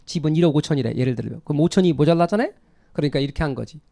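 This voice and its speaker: A man's voice: on the high side, racing, vocal fry, mellow. A middle-aged man giving an explanatory classroom lecture, conversational, repeating key terms and asking rhetorical questions that he answers himself. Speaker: lecturer in real estate exam course.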